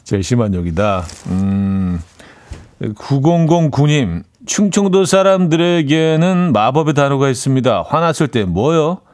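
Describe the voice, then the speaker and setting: A man's voice: medium pitch, animated, a little slow, a little mellow, clean tone. A man hosting a radio music show, chatting casually, reading listener messages aloud and laughing often. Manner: chatty, laughs often, mimics dialect playfully. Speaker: radio DJ host. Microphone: studio microphone.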